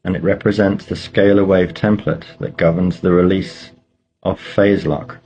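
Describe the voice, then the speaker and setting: A man leading a guided meditation, giving slow, measured instructions with pauses between phrases. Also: low-pitched, steady tone, mellow, poor audio.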